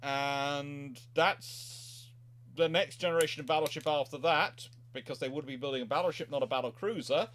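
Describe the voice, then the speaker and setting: A man's voice: a little high, moderate pace, a bit bright, slight background noise. A man hosting a casual live history question session, rambling and often repeating himself as he goes. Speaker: naval history livestream host.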